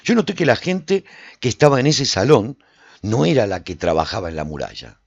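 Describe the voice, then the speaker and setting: A man playing a proud lone warrior who recounts his adventures in a theatrical, expressive first-person radio drama style. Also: lowish voice, moderate pace, gravelly, no echo, muffled recording, exaggerated voice. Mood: amused storytelling. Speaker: narrator and lead actor of a radio serial.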